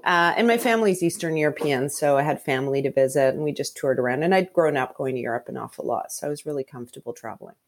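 A woman in her fifties, born and raised in Canada, whose first language is Hungarian, talking in a deep, low register. She is the guest in a podcast-style interview and tells her story in a frank, chatty way, piling on asides as she goes. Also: quick pace, hardly any pauses. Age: 50s. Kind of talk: candid conversational interview.

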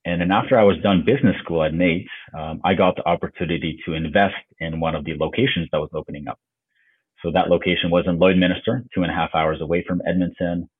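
A man from Slovakia chatting loosely as a podcast guest. His voice sits very low and sounds husky. He comes through a tinny, phone-like remote call line. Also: quick pace. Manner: relaxed, loose, many fillers. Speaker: podcast guest, business owner. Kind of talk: casual interview chat.

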